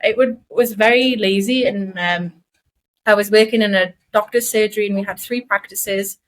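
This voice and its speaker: A woman's voice: medium pitch, fairly even intonation, normal speed. A young woman from northeast England with a mixed Geordie and South Asian accent, chatting casually and self-deprecatingly as a podcast co-host.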